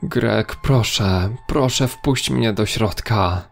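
A man's voice: on the low side, slow, creaky, faint music behind. A man voicing a creature that fakes a desperate, sobbing mother begging to be let in. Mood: pleading. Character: creature faking a pleading mother.

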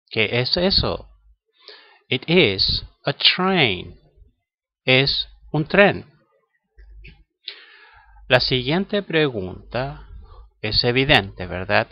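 A man teaching English in Spanish, a native Spanish speaker who patiently explains each step and repeats answers slowly. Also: fairly low pitch, no room sound. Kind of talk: slow language lesson. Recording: dull lo-fi audio.

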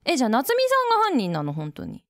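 A woman giving chatty, casual commentary while playing a game, reacting quickly between reading lines. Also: a little high, wildly swooping pitch, dry recording, clean studio sound. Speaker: let's play host.

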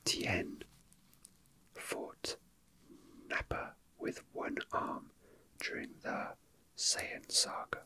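Male ASMR host: breathy whisper, very crisp sibilant brightness, casual, hesitant musing. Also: drawn-out words, pauses often. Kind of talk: whispered ASMR, casual rambling while handling a figurine.

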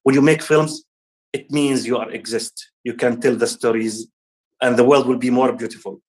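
A man in his thirties from Palestine, speaking earnestly over a video call at an online ceremony, often halting and restarting words. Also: mid-range voice, fairly even intonation, darkish tone. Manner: gestures with hands while talking. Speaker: guest speaker.

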